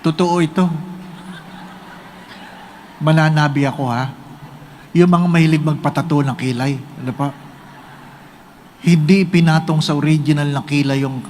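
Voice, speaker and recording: A man's voice: on the high side, fairly even intonation, unhurried, long pauses, darkish tone, slight background noise. A middle-aged Filipino man, a Catholic priest, giving a humorous homily in a joking storytelling manner, often tossing rhetorical questions at his listeners.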